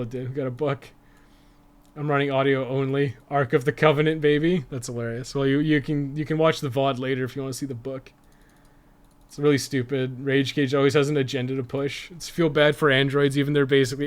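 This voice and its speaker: A man chatting casually to his viewers as a game streamer, informal and freely swearing. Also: medium pitch. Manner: informal, foul-mouthed. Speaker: video game live streamer. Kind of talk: casual livestream chat with viewers.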